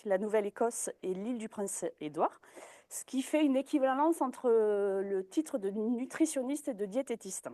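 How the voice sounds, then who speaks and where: Young woman presenting, hesitant and halting, warm tone, dry mic. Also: mid-range voice, no room sound. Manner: hesitant, many fillers and restarts. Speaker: dietitian giving a presentation. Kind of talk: informal talk presentation.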